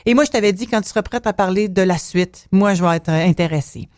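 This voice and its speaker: A woman's voice: mid-range voice, darkish tone, no room sound, clean studio sound. A woman with a Québécois French accent hosting a conversational interview, chatty and full of fillers. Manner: chatty, filler-heavy, speeds up and slows down. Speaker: interview host.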